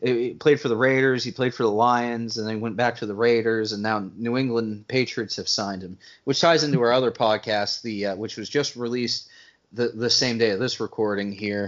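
Fairly even intonation in a normal speaking voice. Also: man. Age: 20s. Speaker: podcast host and video editor. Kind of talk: casual interview chat.

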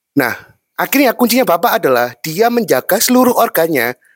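The dry, close recording, with no echo, catches a man whose pitch swings very widely. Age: 20s. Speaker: discussion participant. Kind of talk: casual discussion.

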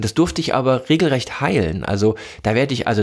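Very fast male speech on a very clean recording, the background silent. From East Germany. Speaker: podcast host, money mindset coach. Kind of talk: solo podcast monologue. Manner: casual, with many fillers.

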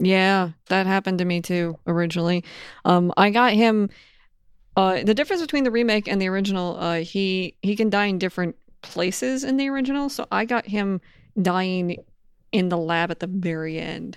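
A woman with an American accent uses an unremarkable speaking voice, medium pitch and ordinary pitch variation at a moderate pace. The recording is very clean with a silent background. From United States. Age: 30s. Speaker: podcast host. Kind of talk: casual chat.

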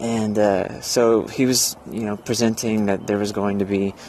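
With a dark, mellow tone, a man speaks at a fairly low pitch in a monotone, flat intonation. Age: 30s. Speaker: web designer and video diarist. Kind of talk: casual vlog monologue. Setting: outdoors, walking. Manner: halting, with many fillers and repeats.

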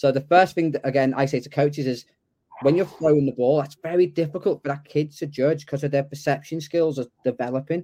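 Speaking very fast, a man with a fairly high pitch and a dark, mellow tone keeps his intonation fairly even. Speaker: tennis coach and podcast host. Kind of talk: casual chat. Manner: loud.

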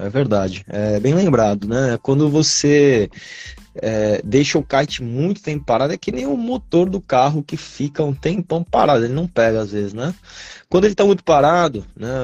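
This man's voice sits at a fairly high pitch and moves in very wide pitch swings. He keeps a moderate pace. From São Paulo, Brazil. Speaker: kitesurfer and salesperson. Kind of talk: casual interview.

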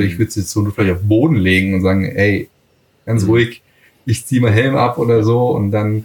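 A man's fairly low, somewhat breathy voice with ordinary pitch variation. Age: 20s. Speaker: cosplayer. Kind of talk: interview.

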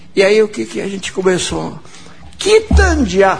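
A man's high voice at a fairly slow pace over noticeable background noise. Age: 80s+. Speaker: businessman. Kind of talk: radio interview. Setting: radio studio.

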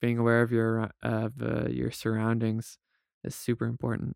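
In a Canadian accent, a man speaks at a medium pitch with monotone, flat intonation. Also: dry, close sound with no echo. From Canada, Toronto. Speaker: long-distance cyclist fundraising for charity. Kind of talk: casual interview chat. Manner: halting, many fillers.

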